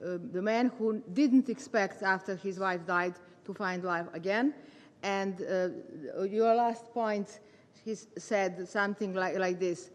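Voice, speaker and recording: A woman, a retired English teacher giving a measured, formal prepared speech as a volunteer. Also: mid-range voice. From Serbia. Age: 70s. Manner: measured, formal delivery with careful phrasing. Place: large meeting hall. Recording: long hall reverb.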